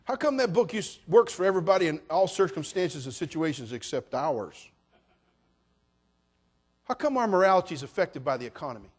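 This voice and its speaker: A middle-aged man preaching a sermon as pastor, folksy and joking, building up to shouted passages. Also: on the high side, sing-song, fairly quick.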